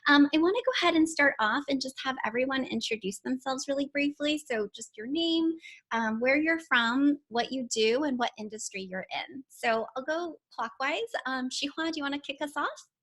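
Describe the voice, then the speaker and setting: Woman host, high voice, upbeat and encouraging, video call. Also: normal speed, fairly bright tone. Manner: upbeat, encouraging, many fillers. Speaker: host of a live panel Q&A. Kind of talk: casual live video call.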